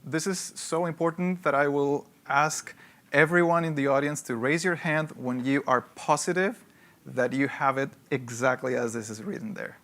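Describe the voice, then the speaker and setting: A man's voice: mid-range voice, steady tone, moderate pace, fairly bright tone. A man teaching a hands-on workshop to a live audience. He talks emphatically, repeats key points and keeps checking that people follow. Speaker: workshop instructor.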